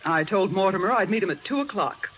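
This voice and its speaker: Tough, greedy gun moll; husky, very lively intonation, curt vintage radio crime drama. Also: female voice, mid-range voice, fast. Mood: businesslike. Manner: cool, curt, domineering. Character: hard-boiled, greedy female gang accomplice. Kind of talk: 1940s radio acting. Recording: dull 1940s radio recording.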